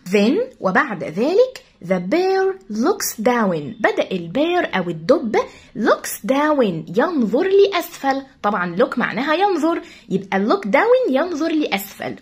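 A woman who teaches English, with an Egyptian Arabic accent, quickly explains a children's story and then reads its English sentences slowly. Her voice is high-pitched and slightly rough.

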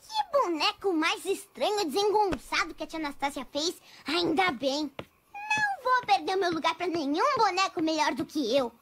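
A woman's voice: extremely high pitch, very animated, normal speed, fairly bright tone, slight background noise, full character voice. A woman voicing a jealous, self-important little female rag doll in a cartoon. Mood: jealous, indignant. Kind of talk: animated children's cartoon acting. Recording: music under the voice.

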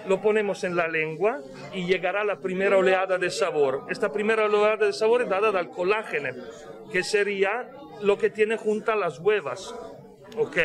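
A man representing a caviar company explains things in an interview through a face mask, his voice high. He's didactic and keeps adding tag questions like "ok?", with crowd chatter all around.

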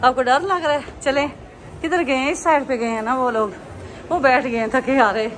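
A woman's voice: high-pitched, steady tone, normal speed. A middle-aged woman chatting to her viewers as she walks through busy expo grounds and into a pavilion, filming on a handheld phone. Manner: chatty, exclaiming, talks to viewers while walking. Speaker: vlogger. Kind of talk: casual walking vlog narration. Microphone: handheld phone camera. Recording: crowd noise and music behind.

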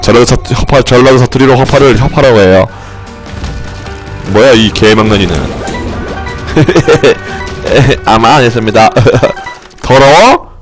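A young man commenting on his game play for viewers, joking, swearing and breaking into sudden shouts. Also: medium pitch, unhurried, long pauses, faint music behind. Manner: excitable, swearing, jokey outbursts and shouts. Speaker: game streamer.

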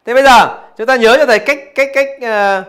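A man with a high voice teaches physics, working through exam questions one by one. He keeps checking with his students as he explains each answer. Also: brisk, a bit bright. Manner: talks through answers, asks rhetorical questions. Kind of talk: exam review lesson.

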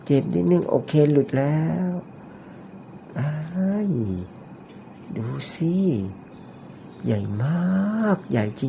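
A man narrating an ear-cleaning demonstration, talking in a deliberately raised, soft, falsetto-like voice with chatty, joking asides. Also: expressive, vocal fry, slight background noise.

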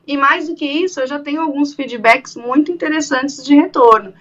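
Woman, 30s, bright high voice, event organizer, animated, dull lo-fi video call sound. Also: normal speed. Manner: animated, acts out quoted dialogue. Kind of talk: remote interview on radio-TV news show. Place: small room indoors.

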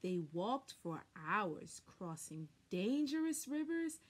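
A young adult woman reading a children's story aloud expressively, with deliberate, dramatic emphasis, recorded indoors on a camera a short distance away. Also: mid-range voice, sing-song, husky. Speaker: storybook reader. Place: small furnished room indoors.

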